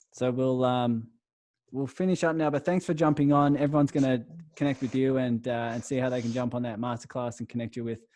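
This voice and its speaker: A man with an Australian accent, a dark, mellow tone, fairly even intonation and a fairly quick pace. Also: quiet background. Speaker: business networking host and coach. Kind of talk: online networking call. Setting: video call.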